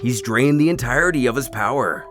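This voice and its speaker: A man's voice: medium pitch, animated, a little fast. A man narrating an action story in a theatrical, scripted style, with music playing behind him. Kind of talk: dramatic scripted comic narration. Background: dramatic background music.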